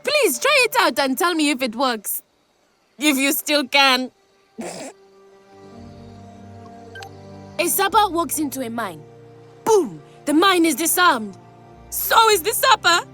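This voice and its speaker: An actress voicing a manic, cheerful young woman in a video game, excitable and giggly, with a gleeful passion for explosives. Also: sits high, unhurried, soft background music, full character voice. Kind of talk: video game character acting.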